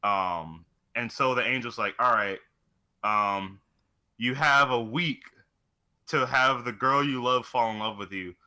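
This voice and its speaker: A man's voice: fairly low pitch, pushed and bright. A man co-hosting a casual chat about video games, telling things in a loose, informal way. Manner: informal, loose storytelling with mild swearing. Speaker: podcast co-host.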